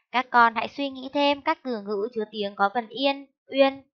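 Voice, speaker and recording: Slow, deliberate woman teacher. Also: fairly high pitch, lo-fi sound. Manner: slow, deliberate enunciation, spelling out words for children. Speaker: primary school teacher. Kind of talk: reading lesson for young children.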